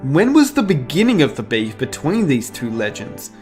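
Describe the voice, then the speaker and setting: A woman narrating a channel video, telling a story with lively emphasis and rising questions. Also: rumbling low, normal speed. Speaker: YouTube narrator. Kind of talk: scripted narration. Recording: faint music underneath.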